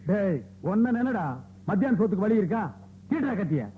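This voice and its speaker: A man's voice: high-pitched, lively intonation, brisk, phone-quality sound, slight background noise. An actor playing a bossy, short-tempered village barber who scolds his helper with sarcastic insults, in film audio taken from an old cassette tape. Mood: scolding. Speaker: barber in a film comedy scene. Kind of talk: 1990 Tamil film comedy dialogue from cassette.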